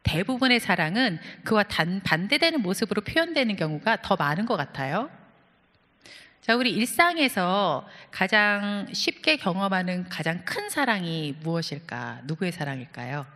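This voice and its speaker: A woman's voice: mid-range voice, very animated, normal speed, sharp tone. A woman pastor preaching a sermon, telling stories and asking the congregation questions. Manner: storytelling, asks the congregation questions. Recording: church hall reverb.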